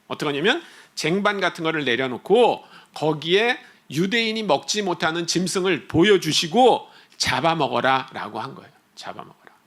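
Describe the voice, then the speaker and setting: A male guest missionary preaching a lively sermon, with a fairly high voice. His pitch swings widely as he jokes and chats with the congregation. The delivery is animated and playful throughout. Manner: animated, humorous, chatty asides to the congregation.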